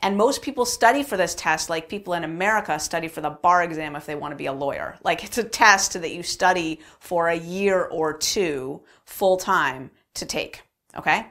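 A woman's voice: lowish voice, moderate pace, a bit bright. A woman talking casually and explaining things as a vlog host, with emphatic conversational delivery, recorded in an echoey, bare unfinished room. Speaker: vlog host answering viewer questions. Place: unfinished basement room with cinder blocks and subflooring.

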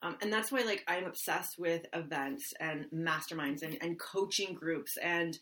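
A woman's voice: fairly low pitch, measured pace, fairly bright tone. A woman hosting a podcast, talking earnestly and encouragingly with many ums and likes. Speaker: podcast host. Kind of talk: casual podcast conversation.

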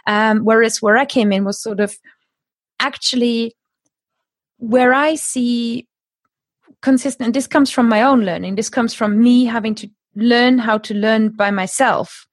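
This podcast guest, a woman in her thirties with German as her first language, makes language courses and chats in a conversational interview. She speaks a little slowly in a slightly high, steady voice, with no room sound, and she frequently laughs and starts her phrases over.

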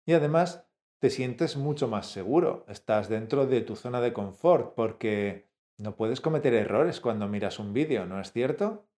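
A man co-hosting a language lesson, measured and explanatory, speaking straight to the learner. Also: medium pitch, lively intonation, dark tone. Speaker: language teacher, co-host.

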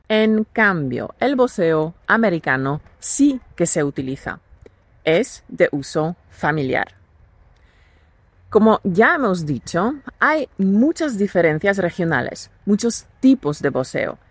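Slow, patient teacher woman. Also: fairly low pitch, dry recording. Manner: slow, clear, patient, leads drills. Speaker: Spanish teacher. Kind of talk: scripted language lesson.

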